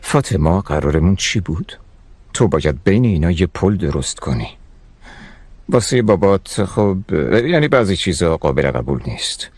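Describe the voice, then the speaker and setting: An actor dubbing a wise older uncle who gives his nephew calm, persuasive advice. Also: deep voice, slightly rough, dry recording, heavily acted. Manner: steady, persuasive, fatherly. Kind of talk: Persian drama dubbing. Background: soft music score.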